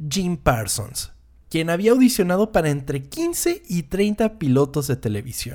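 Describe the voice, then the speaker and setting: In a Mexican accent, a man with a high pitch and a dark, mellow tone talks at a moderate pace, his pitch swinging very widely. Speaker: podcast host. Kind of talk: casual chat; scripted narration.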